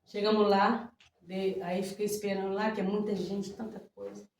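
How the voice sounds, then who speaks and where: A woman pastor with a Brazilian accent tells her testimony in an animated way, breaking into loud cries of praise. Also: medium pitch, normal speed, a little hiss or hum. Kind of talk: testimony preaching. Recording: very echoey hall from far off.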